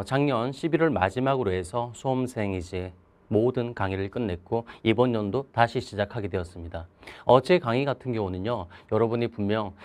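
A man's voice: lowish voice, darkish tone. Earnest man lecturing students. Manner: earnest, emphatic, gestures and writes on a chalkboard. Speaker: mind coach teacher. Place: studio with a green chalkboard. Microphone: lapel mic.

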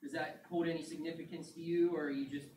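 A man's voice: on the high side, flat delivery, fast talker, noisy background. A man, a sports reporter asking long, wordy questions with fillers at a postgame press conference.

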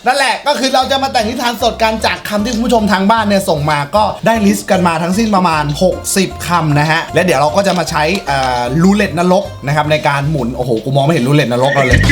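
A young man hosting and telling an improvised story in a playful way, teasing his friends. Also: high voice. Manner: playful, swears at friends, laughs often. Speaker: host and storyteller. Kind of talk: casual improvised storytelling chat.

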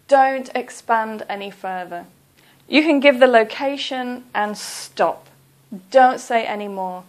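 Slow, careful female English teacher. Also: a little high. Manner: careful, deliberate, instructive. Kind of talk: slow, clear lesson narration.

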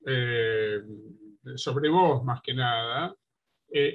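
A man in his sixties with an Argentine accent, hosting a video-call interview and asking questions in a friendly, relaxed way. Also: mid-range voice, husky, lo-fi sound. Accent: Argentine Spanish. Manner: friendly, brief affirmations. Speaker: host and interviewer. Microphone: laptop webcam on a video call.

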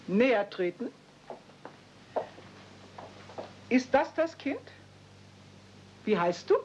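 Imperious strict housekeeper lady, stiff formal delivery, lively swoops, muffled old radio play tape. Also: measured pace. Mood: stern. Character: strict, haughty, easily scandalised housekeeper lady. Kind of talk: 1970s radio play acting. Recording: dull, rumbly, noisy old cassette transfer.

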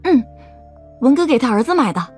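Woman acting young shopgirl, candid, observant, audio drama, highish, breathy, faint music. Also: big pitch swings, brisk, full character voice. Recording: music behind the voice.

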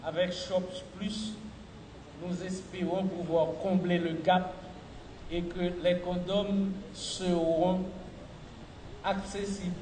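Man giving a slow speech in an echoey hall. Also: high-pitched. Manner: measured, deliberate official delivery. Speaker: health ministry official giving a speech. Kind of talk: formal prepared speech. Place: large hall, indoors. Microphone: podium mic on a stand. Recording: echoey hall, far from the mic, noisy.

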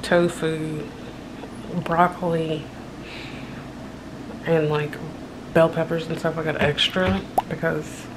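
A woman's voice: sits low, flat delivery, takes it slowly, long pauses. A middle-aged American woman chatting casually to camera as a vlogger in a hotel room. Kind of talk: casual vlog chat, showing items to camera. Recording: clearly noisy room sound.

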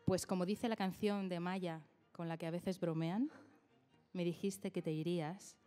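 A woman reads a page in a low, mellow voice. Her delivery stays measured and fond. Faint music plays beneath her. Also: fairly even intonation. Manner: measured, affectionate reading. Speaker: reader of a tribute. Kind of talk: reading a written text aloud.

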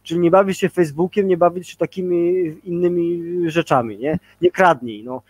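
A man's voice: a little high, normal speed, darkish tone, no echo. A man in his forties talking casually on a video call as a guest leadership trainer, rambling with many fillers and tag questions.

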